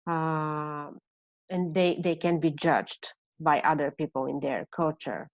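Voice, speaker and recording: A counselor from Bulgaria presents an online seminar in non-native English with a Bulgarian accent, speaking haltingly as she searches for words. Her voice sits low, and there's no echo.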